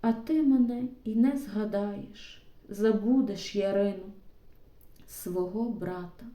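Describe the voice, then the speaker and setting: A woman's voice: mid-range voice, takes it slowly, warm tone, echoey room, lightly acted. A woman voicing a tender, earnest young Cossack man in an audiobook reading.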